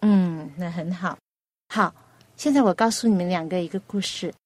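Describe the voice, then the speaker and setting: A woman hosting a children's radio program, asking a young guest patient, coaxing questions and telling a gentle story. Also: fairly low pitch, moderate pace, dry recording.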